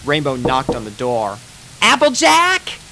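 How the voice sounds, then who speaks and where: A man narrating a fan-written pony story in a steady storybook manner. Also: mid-range voice, measured pace, a little hiss or hum. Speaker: fanfic reader.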